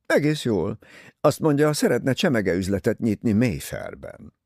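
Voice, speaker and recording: A man voicing a teasing, easygoing young English gentleman talking with his mother in an audiobook. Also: medium pitch, very animated, creaky, no echo, clean studio sound. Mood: wry teasing. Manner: wry, teasing.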